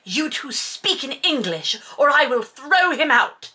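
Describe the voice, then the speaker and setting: A woman's voice: high voice, very animated, measured pace, bright, forceful tone, pitched above the performer's own voice, full character voice. A woman reading the part of an indignant upper-class English husband in a romance novel, curt and hostile. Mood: snapping.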